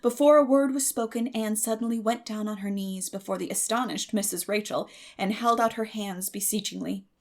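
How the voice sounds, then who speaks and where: A woman reading a classic story as a dramatic audiobook narrator, expressive and measured. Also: mid-range voice.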